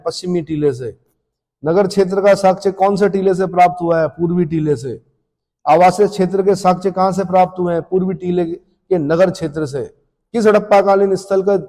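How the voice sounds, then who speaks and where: Brisk quizzing coaching teacher, man. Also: high voice, warm tone, long reverb tail. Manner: drills students with questions and answers; brisk, scolding, self-answering. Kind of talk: rapid-fire exam coaching lecture.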